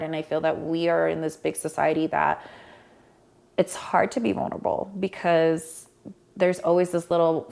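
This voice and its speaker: A woman speaks in a casual podcast chat. Her voice sits a little low and has a gravelly edge. She talks openly, rambling a little and breaking into laughs. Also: darkish tone. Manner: candid, rambling, laughs often. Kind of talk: candid conversational chat.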